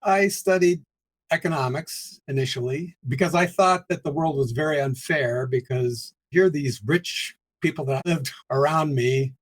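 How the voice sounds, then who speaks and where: A man's voice: fairly high pitch, measured pace, poor audio. Reflective older man. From United States, Pittsburgh area. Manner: reflective, chuckles often between points. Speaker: guest. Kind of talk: conversational interview.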